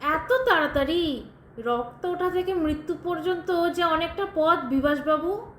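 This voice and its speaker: Actress as a high-voiced, bitterly ironic widow. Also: female voice, unhurried, a bit bright. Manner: pointed, ironic, dramatic storytelling. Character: bitter, sardonic widowed woman telling her tragic story. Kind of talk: Bengali audio drama acting. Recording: roomy echo, faint background noise.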